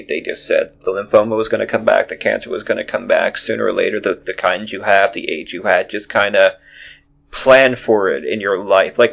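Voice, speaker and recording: A man's voice: on the low side, creaky, a bit bright. A man in his forties hosting a podcast, talking in a rambling way with many restarts. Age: 40s. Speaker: podcast host. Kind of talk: casual chat. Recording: dull lo-fi audio.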